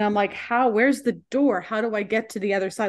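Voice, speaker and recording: A woman in an unremarkable speaking voice keeps a fairly quick pace and fairly even intonation. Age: 30s. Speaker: energy healer and performance coach. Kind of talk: casual chat.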